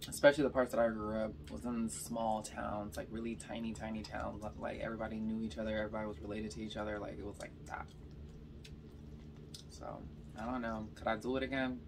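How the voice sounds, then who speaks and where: A young woman with a faintly raspy voice and a slight Californian accent tells stories in a loose, chatty way while eating in her bedroom. She sits a little back from the mic, and a soft room hiss sits underneath her. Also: rumbling low, little pitch movement, brisk, distant mic. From Georgia, US South. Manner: chatty storytelling between bites, lots of "like" and "y'all". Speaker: mukbang vlogger. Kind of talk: casual chat while eating. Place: bedroom, indoors.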